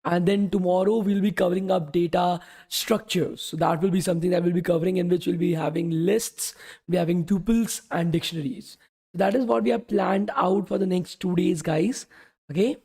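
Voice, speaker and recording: A young coding bootcamp instructor runs a live-streamed coding lesson, talking casually, repeatedly saying "okay" and "guys," and answering questions from the chat. His high-pitched voice is husky and a little mellow with vocal fry, worn from a full day of talking, and he speaks fairly quickly with fairly even intonation.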